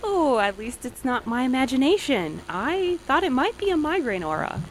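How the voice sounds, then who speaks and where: A woman playing an earnest, cautious, gently optimistic mail courier in an audio drama. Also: high-pitched, big pitch swings, moderate pace, slight background noise, rough recording. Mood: anxious, cautious. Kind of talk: naturalistic audio drama acting.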